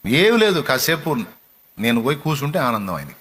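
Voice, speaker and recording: A man's voice: mid-range voice, big pitch swings, moderate pace, a bit bright, husky. Man preaching an impassioned sermon. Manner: storytelling that builds to impassioned exhortation; asks the congregation direct questions. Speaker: pastor.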